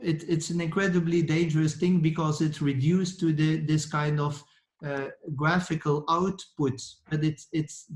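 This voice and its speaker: A man, an architect answering questions in a lecture Q&A, halting with many restarts and fillers. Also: on the high side, steady tone, roomy sound. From Belgium. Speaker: architect guest speaker.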